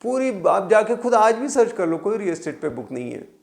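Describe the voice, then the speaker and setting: Guy in his 30s telling a story, gravelly bit higher voice, echoey room. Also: fairly quick. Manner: animated, acts out both sides of phone calls. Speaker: real estate coach. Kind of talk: storytelling monologue.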